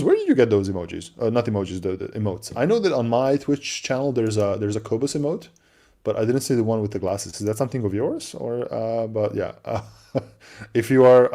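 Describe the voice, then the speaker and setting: A man with an accent co-hosting a livestream, answering viewer questions in a relaxed, chatty way with lots of fillers and restarts. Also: medium pitch. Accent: non-native English. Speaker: livestream co-host. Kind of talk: casual livestream chat.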